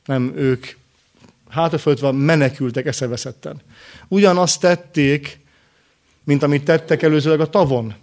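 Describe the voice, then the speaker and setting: Guy preaching a sermon, fairly high voice, short earnest phrases, asks the congregation questions. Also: fairly even intonation, a little mellow. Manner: earnest, uses rhetorical questions; speaks in short phrases with pauses.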